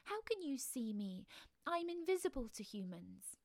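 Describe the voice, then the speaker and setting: Lady doing a sad little mermaid, high and wistful, gravelly, dry close sound. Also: very animated, moderate pace, a little mellow, no room sound. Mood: curious. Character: lonely tearful young mermaid girl.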